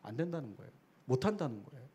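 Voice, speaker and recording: A man's voice: medium pitch, very animated, very fast, warm tone, slightly rough. A man preaching a sermon as a guest preacher at a church worship service, speaking earnestly and conversationally and asking the congregation rhetorical questions.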